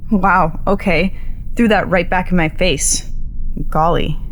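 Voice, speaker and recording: A woman's voice: on the low side, steady tone, takes it slowly, slight background noise. A woman playing a prickly young road-tripper in an audio drama, blunt, casual and sardonic. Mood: stung, sarcastic. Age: young adult. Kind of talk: naturalistic audio drama dialogue.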